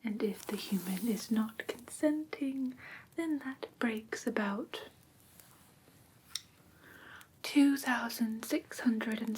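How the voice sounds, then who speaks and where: A woman voicing a prim, strict vampire teacher in a soft, breathy whisper, formal and precise, for an ASMR roleplay class. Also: fairly high pitch, a little hiss or hum, rough recording. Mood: prim, stern. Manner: formal, precise, deliberate, theatrically stern. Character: prim, strict female vampire teacher of human pet care. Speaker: ASMR performer.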